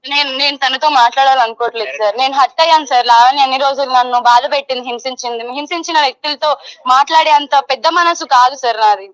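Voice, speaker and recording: A young woman speaks in a high voice at a quick pace. She is loud and insistent, repeating her points as she argues her side in a heated phone interview. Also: low-quality recording. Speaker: caller giving her side of a dispute. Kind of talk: heated phone interview, Telugu mixed with English.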